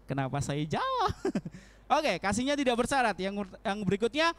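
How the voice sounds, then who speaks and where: A young man preaching a casual sermon in a church, animated, acting out prayers in quoted voices and laughing often. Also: sits high, measured pace. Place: church hall.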